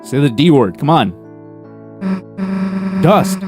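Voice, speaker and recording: A man's voice: mid-range voice, big pitch swings, normal speed, over music. A man giving casual commentary while streaming a game, laughing, swearing and reading on-screen text aloud.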